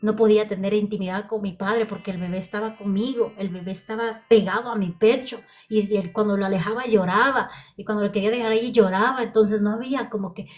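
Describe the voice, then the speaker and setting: A woman's voice: medium pitch, steady tone, quick pace, hardly any pauses. Heartfelt woman giving a sermon testimony. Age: adult. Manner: heartfelt, repeats phrases. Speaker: preacher.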